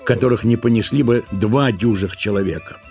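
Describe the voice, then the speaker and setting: Gravelly male storyteller over music. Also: lowish voice, fairly quick, darkish tone. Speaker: narrator. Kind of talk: scripted literary narration in an audio drama.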